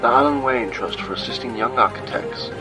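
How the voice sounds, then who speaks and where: An actor playing a dutiful older butler in a comic-book audio drama, polite, precise and deferential. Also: male voice, medium pitch, brisk, over loud music, close to an everyday voice. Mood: formal, helpful.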